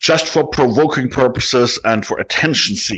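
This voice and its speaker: A man with a German accent, fairly slow pace and ordinary pitch variation. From Germany. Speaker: former extremist. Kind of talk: testimony.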